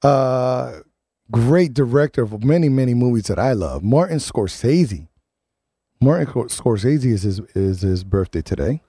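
Male morning show host, mellow, dry close sound, rambling casual chat. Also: medium pitch, lively intonation, measured pace, breathy edge, dry recording. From Puerto Rico.

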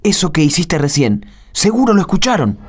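A man's voice: a little high, very animated, a little fast, long reverb tail. A man playing a hapless, nervous thief, timid and hesitant, with an Argentine accent, in a radio drama. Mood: nervous, whiny. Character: hapless, nervous male thief, meek and dim.

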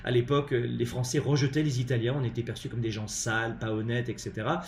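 A man from France with a French accent, hosting a live-streamed motivational talk on leadership from home, emphatic and animated with lots of hesitant fillers. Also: medium pitch, quick pace, roomy sound, a little hiss or hum. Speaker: leadership coach and live show host.

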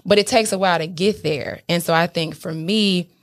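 A woman's voice: lowish voice, normal speed. A woman with an African American accent in candid, casual conversation, speaking emphatically with frequent swearing and checking in with the listener. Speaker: business owner being interviewed.

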